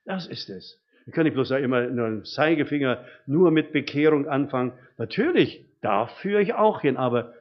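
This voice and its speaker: The recording is dull and muffled: an older lay preacher speaks in a mid-range, animated voice at normal speed. He tells folksy, homely stories from his life during the sermon, frequently tagging sentences with rhetorical questions.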